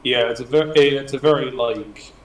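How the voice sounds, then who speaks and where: A man's voice: medium pitch, normal speed. A man chatting casually on a gaming voice chat through his phone, his voice coming through with a big echo. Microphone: phone over voice chat. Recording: echoey roomy phone audio from far off.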